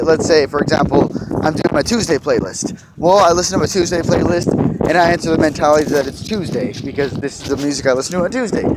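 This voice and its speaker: A young man vlogging as he walks outdoors along a street, chatting casually in a rambling way with profane, sarcastic asides, filmed on a handheld phone. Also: on the high side. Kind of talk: casual vlog chat while walking. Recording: loud outdoor noise from traffic. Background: traffic and outdoor sounds.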